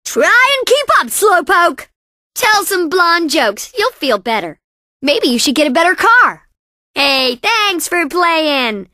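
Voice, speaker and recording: Coco Bandicoot, very high, sassy cartoon girl. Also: big pitch swings, takes it slowly, bright, forceful tone, dry recording, clean studio sound, heavily acted. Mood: smug, taunting. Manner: sassy, boastful, cartoonishly exaggerated delivery. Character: perky, cocky young female bandicoot racer. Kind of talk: video game character voice lines.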